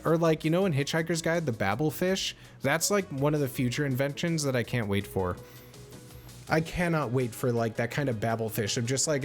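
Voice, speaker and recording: A man livestreaming, chatting casually with viewers in a slangy, rambling way, full of bro and homie. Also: mid-range voice. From United States. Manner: slangy and laid-back, often saying bro and homie; rambling, with many fillers and restarts.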